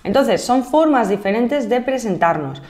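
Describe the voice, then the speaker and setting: A woman of thirty from Madrid with a Castilian Spanish accent, teaching a Japanese lesson on video. She explains each point clearly, slowing down to model phrases and checking in with "¿vale?". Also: a little high, lively intonation, darkish tone. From Spain (Madrid).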